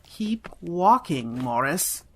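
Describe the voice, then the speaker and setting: An actress playing a stern, professional police officer in an audio drama, terse and controlled. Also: female voice, on the low side, sing-song, takes it slowly, slight background noise, heavily acted.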